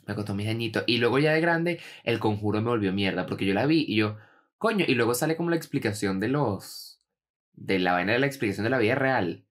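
A young man with a Venezuelan accent telling stories in a relaxed, slang-heavy chat between two co-hosts. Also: fairly low pitch, brisk. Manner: animated storyteller, heavy slang. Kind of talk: casual chat.

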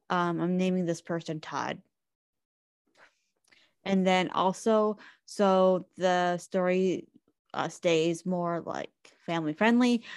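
Podcast host lady telling a story all casual, lots of little asides, voice sits kinda low. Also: a little mellow, smooth, no echo. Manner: chatty, with personal asides.

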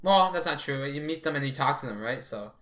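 A young man from Canada who grew up speaking Cantonese, co-hosting a podcast in casual, animated, sweary chat. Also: mid-range voice, brisk. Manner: animated, swears freely, lots of "like". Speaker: podcast co-host.

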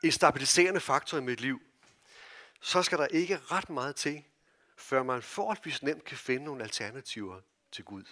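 A man with a Danish accent preaching a sermon in a church, earnest and halting, with many fillers, his voice dropping to near-whispers and rising to loud calls. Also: medium pitch. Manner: earnest, wide swings from loud calls to soft hushed phrases. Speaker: pastor.

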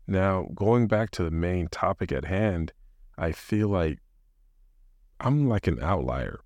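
A man's voice: deep voice, animated, slow, a little mellow, no echo, highs cut off. A man in his thirties hosting a solo podcast, talking casually and rambling with many restarts and fillers. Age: 30s. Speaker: podcast host.

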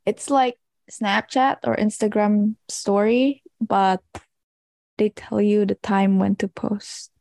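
A woman's voice: medium pitch, fairly even intonation, slow pace, mellow. A young woman with an Indonesian accent, explaining eagerly in casual chat with friends, breaking into laughs.

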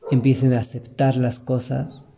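A man's voice: mid-range voice, little pitch movement, normal speed, gravelly, warm tone. A man with a Mexican accent hosting a podcast, talking in an earnest, motivational way straight to the listener. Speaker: podcast host. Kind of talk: reflective podcast monologue.

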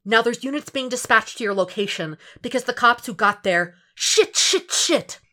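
A woman's voice: a little high, animated, normal speed, bright, forceful tone, pitched above the performer's own voice. Female narrator as anxious male sidekick, agitated, urgent warnings, audiobook-style story. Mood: alarmed.

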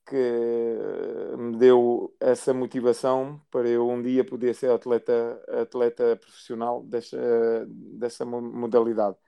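A man in his forties, a basketball coach born in Portugal and raised in France, answering interview questions haltingly with many fillers. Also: mid-range voice, creaky, dark tone, clean tone. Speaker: basketball assistant coach, guest.

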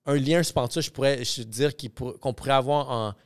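A man hosting a casual podcast, talking animatedly with "comme, yo" fillers and thinking out loud. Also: medium pitch, fairly even intonation, a little fast, smooth. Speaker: podcast host.

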